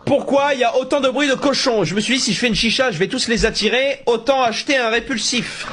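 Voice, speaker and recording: High-voiced man joking over loud music. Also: fairly quick. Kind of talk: joking casual chat.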